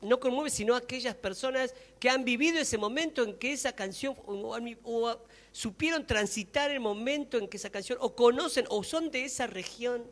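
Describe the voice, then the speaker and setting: A man with an Argentine accent discussing his views at a public talk, emphatic and halting, repeating himself. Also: very high voice, fairly bright tone. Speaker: guest speaker. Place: public talk room in a library. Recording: echoey hall reverb.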